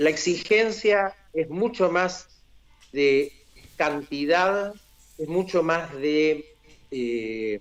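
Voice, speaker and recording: Lively in intonation yet very slow in pace, a man speaks at a fairly high pitch with long, frequent pauses. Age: 60s. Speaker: radio drama actor and theatre teacher. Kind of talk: interview.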